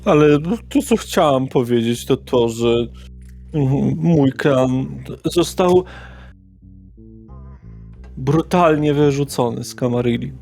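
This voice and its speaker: Man putting on a slow, vain vampire socialite woman. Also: medium pitch, creaky, darkish tone. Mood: catty, scornful. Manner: theatrical, catty, vulgar. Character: flamboyant, vain, foul-mouthed vampire socialite woman in a wig. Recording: music behind the voice.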